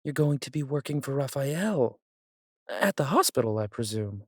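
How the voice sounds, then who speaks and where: A man's voice: medium pitch, sing-song, normal speed, no room sound, studio quality. A man playing a chatty, fussy angel in an audio drama, with theatrical, musing asides. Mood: wry, teasing. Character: chatty, fussy, coffee-loving male angel, teasing elder brother.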